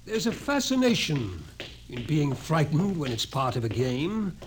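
A man's voice: fairly high pitch, big pitch swings, a little slow. A man playing a grave, insistent doctor in a 1950s radio drama, lecturing emphatically with an ominous air. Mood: intense, knowing. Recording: noisy old 1950s radio recording.

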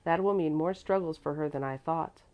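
Woman reading a gentle wise mother figure, calm and reassuring, lowish voice, storybook feel. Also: moderate pace, dull audio, lightly acted. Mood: tender.

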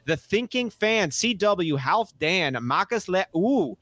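A man with a notably high voice hosts a podcast, full of energy and racing through lists. The sound is close and dry, with no room echo at all. He keeps an eager, upbeat casual-chat manner. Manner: energetic, rattles off lists quickly. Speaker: podcast host.

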